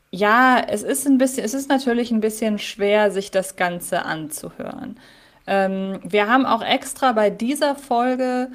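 A woman co-hosting a podcast, reflecting at length in casual chat about a radio play. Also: mid-range voice. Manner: reflective, rambling, thinks aloud. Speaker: podcast co-host.

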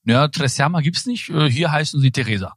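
A young man from Germany co-hosting a casual podcast chat, telling stories in a lively way into a studio microphone. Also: on the high side, fairly quick, no room sound. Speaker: podcast co-host.

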